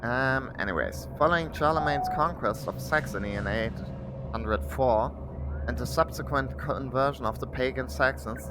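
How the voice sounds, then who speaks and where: A man's voice: mid-range voice, low-quality recording. A man from Germany with a German accent, reading game texts aloud on a livestream and adding casual comments. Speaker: game streamer.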